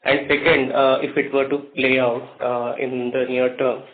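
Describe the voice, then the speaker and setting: A man, an analyst, asking a halting question on an earnings call. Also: mid-range voice, little pitch movement. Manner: halting, many fillers. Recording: tinny phone line with faint noise.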